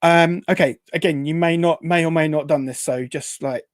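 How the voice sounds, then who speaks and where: A man's voice: fairly high pitch, steady tone, normal speed, dry recording, studio quality. A man hosting a casual interview, hesitant and rambling, who says w for r. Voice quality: weak r sounds, says w for r. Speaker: host.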